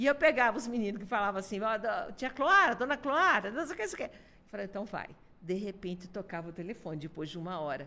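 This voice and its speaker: Her fairly high voice bright and sharp, a woman speaks with an animated tone at a fairly quick pace with hardly any pauses, very wide pitch swings and big swings in loudness. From Curitiba, southern Brazil. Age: 50s. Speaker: television presenter. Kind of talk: casual interview chat.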